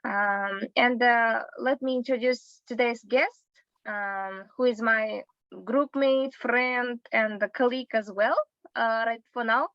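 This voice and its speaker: A non-native woman host asks her questions in a raised voice with plenty of vocal fry, pausing often and filling the gaps with "uh" and "um". The recording is dry and a little dull. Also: fairly high pitch, fairly even intonation, no room sound. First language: not English. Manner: many fillers and pauses, halting phrasing. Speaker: host, English teacher. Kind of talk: hesitant interview questions.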